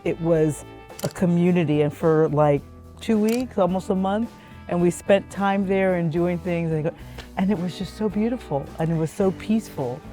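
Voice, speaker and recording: A woman's voice: on the low side, moderate pace, dark tone, soft background music. A woman co-hosting a casual family talk, chatty and easygoing, full of "like" fillers. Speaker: podcast co-host.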